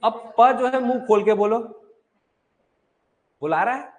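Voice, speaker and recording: A man's voice: very high voice, lively intonation, measured pace. A man teaching an online exam-prep class, explaining step by step, asking questions and answering them himself, with mixed into his talk.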